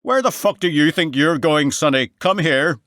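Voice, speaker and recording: A man voicing a big, gruff male transport sergeant with a Northern Irish accent, shouting at a young soldier. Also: on the high side, normal speed, dry recording, studio quality, pitched above the performer's own voice, close to an everyday voice. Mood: bellowing. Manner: shouting, coarse.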